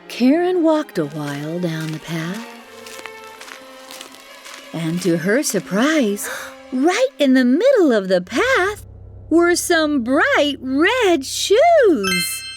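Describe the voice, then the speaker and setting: A woman narrating a children's fairytale as a storyteller, with expressive delivery and dramatic, drawn-out emphasis. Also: on the high side.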